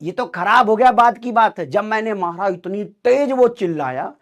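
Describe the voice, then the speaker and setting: High-voiced man telling a lively story. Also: moderate pace. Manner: lively, dramatic, acts out dialogue. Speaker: teacher telling a story to students. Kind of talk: animated classroom storytelling.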